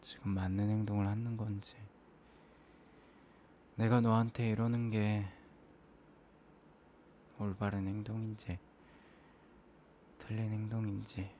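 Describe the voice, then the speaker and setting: A man in an ASMR role-play as an apologetic, self-blaming young boyfriend, speaking in a soft, intimate, hesitant murmur. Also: on the low side, level tone, unhurried, long pauses, a little hiss or hum.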